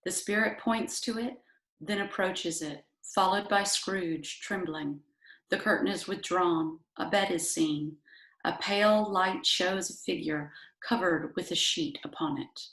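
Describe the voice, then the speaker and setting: Slow woman narrator in a roomy echo. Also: fairly low pitch, a bit bright. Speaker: narrator, library staff reader. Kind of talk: scripted narration of stage directions. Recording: roomy echo, faint noise, clicks.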